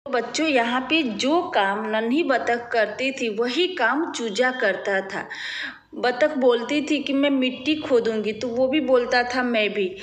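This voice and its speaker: A patient woman teacher reads a picture story to small children and explains it with simple questions. She speaks very slowly, in a slightly high voice. The room around her rings with a noticeable echo. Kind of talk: reading a storybook lesson to young children.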